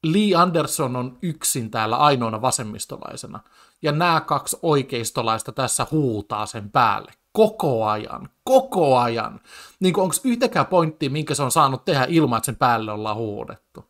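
Male commentator, ordinary mid pitch, stammering and agitated, reacting casually. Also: lively intonation, fairly bright tone. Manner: agitated, full of stammered restarts and fillers. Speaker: commentator reacting to a TV debate clip.

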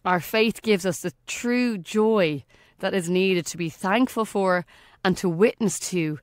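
A woman's voice: medium pitch, a little slow, dry recording, studio quality. An Irish woman hosting a faith podcast, reading a scripted reflection with earnest emphasis. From Ireland. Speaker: podcast host.

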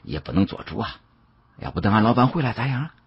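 A man's voice: fairly low pitch, very animated, fast talker, lo-fi sound, slight background noise. A man voicing a wily middle-aged shopkeeper in an audiobook, fawning and evasive, with hesitant, oily politeness.

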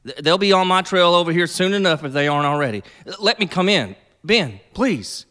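A man's voice: sits high, expressive, brisk, noisy background. An actor playing a hunted, stubborn frontier man in a radio drama, stammering, pleading and arguing. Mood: frightened pleading.

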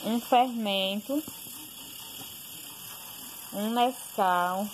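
Slow-talking woman listing groceries. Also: medium pitch. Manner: slow, plain listing with fillers. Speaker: home cooking and grocery vlogger. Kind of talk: casual voice-over listing groceries. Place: home kitchen. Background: pressure cooker hissing.

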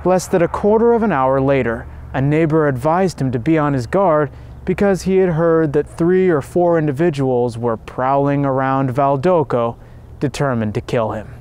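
A man's voice: on the high side, moderate pace, darkish tone, smooth. Earnest male devotional storyteller. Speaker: narrator and channel host.

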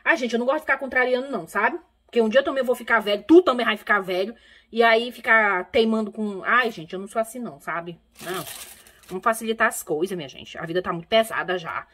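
A middle-aged woman from Brazil chats to her viewers in a loose, rambling way. Her voice sits a little high for a woman. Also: quick pace, fairly bright tone. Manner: chatty, rambling, keeps saying "mulher" and "minha gente". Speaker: vlogger. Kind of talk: casual chat to camera.

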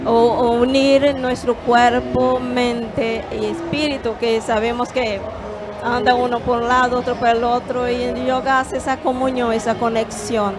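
A Brazilian woman yoga teacher speaking Spanish in a gentle, measured way with small hesitations, on a handheld mic at a fair stand. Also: fairly high pitch, level tone, over music. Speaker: yoga teacher and holistic therapist. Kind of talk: calm explanatory interview answers. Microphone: handheld microphone.

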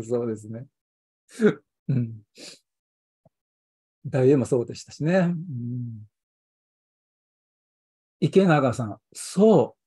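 Kansai accent, casual livestream chat, chatty, husky voice, dry close sound. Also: medium pitch, warm tone, dry recording. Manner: chatty and rambling, chuckling often. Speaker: history channel host.

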